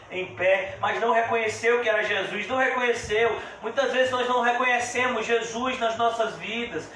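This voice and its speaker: High, bright-voiced pastor preaching in an echoey church. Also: male voice. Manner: swings between soft intimate asides and loud fervent exclamations. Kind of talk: sermon. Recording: echoey church hall, voice from a distance, faint hiss.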